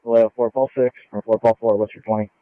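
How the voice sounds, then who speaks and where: A man speaks over a two-way police radio, his low voice held level and monotone. He fires off terse call signs at a quick clip. The transmission is thin and narrow-band, with a dry, close sound. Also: no room sound. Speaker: police officer.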